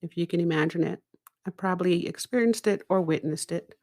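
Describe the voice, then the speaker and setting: A middle-aged woman from Israel, a native Hebrew speaker, giving a reflective personal monologue in a deliberate manner with dramatic pauses and rhetorical asides. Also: lowish voice, darkish tone, no echo, studio quality. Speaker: podcast host and speaker.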